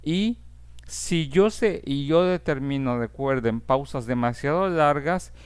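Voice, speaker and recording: A man teaching a class, explaining in a measured way with frequent fillers and checks for understanding. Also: mid-range voice, clean tone. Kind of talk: recorded class lecture.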